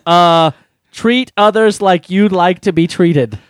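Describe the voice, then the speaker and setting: A man's voice: high-pitched, slow pace, smooth. A man co-hosting a radio show with crude comedic banter, swearing, teasing and often butting in.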